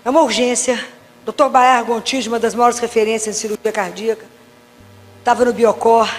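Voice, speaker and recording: A middle-aged woman gives a faith talk. She tells stories and acts out the voices in them, and her voice sits high. A long reverb trails after her words, as if she is speaking in a large hall. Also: brisk. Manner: animated storytelling, acting out dialogue. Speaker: doctor giving a faith talk. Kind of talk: religious talk with anecdotes.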